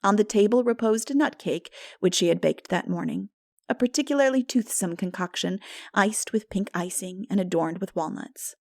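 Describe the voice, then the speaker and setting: A woman's voice: medium pitch, animated, normal speed, darkish tone, dry recording, clean studio sound. A woman reading a classic novel aloud as a scripted dramatic audiobook narration.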